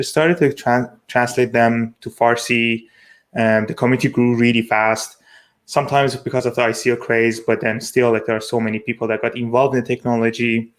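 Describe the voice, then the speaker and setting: A man, a Persian speaker, talks as a panelist in a medium-pitched voice. He explains things informally, peppering his sentences with filler words. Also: fairly bright tone. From Iran. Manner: informal, frequent "like" while explaining. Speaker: panelist, blockchain security engineer. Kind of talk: casual explanatory panel talk.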